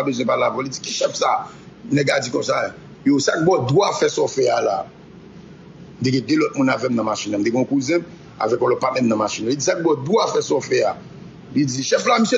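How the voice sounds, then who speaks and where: A man's voice: medium pitch, gravelly. A man recounts a personal story in a rambling way, mixing Creole and French and acting out the dialogue. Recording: dull lo-fi clip with faint hiss.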